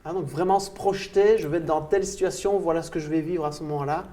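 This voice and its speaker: Male coach-host, slightly high voice, enthusiastic, sums up points and thanks his guest. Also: fairly even intonation, fast talker, dark tone. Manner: enthusiastic, lots of praise and interjections. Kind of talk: interview host.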